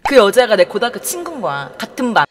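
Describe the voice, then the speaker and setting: A young woman vlogger telling a story to camera in a casual, animated way, acting out quotes and laughing often. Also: medium pitch, quick pace, faint music behind.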